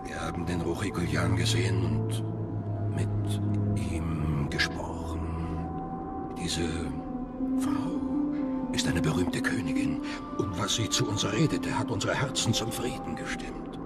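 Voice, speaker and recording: Deep, solemn tribal leader. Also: male voice, loud music behind the voice. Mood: solemn, conciliatory. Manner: solemn, deliberate. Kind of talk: radio drama acting.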